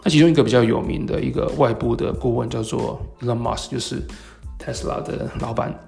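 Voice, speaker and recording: A man speaking Mandarin with a Taiwanese accent talks through tech and market topics on his own, like a solo podcast host. His mid-range voice is steady in tone but gravelly and creaky with heavy vocal fry, and he speaks in halting phrases broken by hesitant pauses. Soft music plays faintly behind him.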